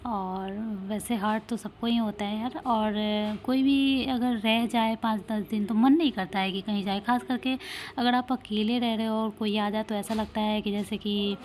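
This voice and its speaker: A woman's voice: a little high, steady tone, moderate pace, hardly any pauses, a little mellow, slight background noise. A woman in her thirties, a mother chatting casually in a daily home vlog, rambling with lots of fillers. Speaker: vlogger, mother.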